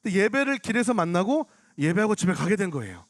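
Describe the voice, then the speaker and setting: A young adult man, a pastor, telling a story in a sermon at an outdoor prayer rally, animated, acting out what others said. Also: high-pitched, fast, dry recording, studio quality. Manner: animated storytelling, acts out other people's lines. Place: outdoor public square.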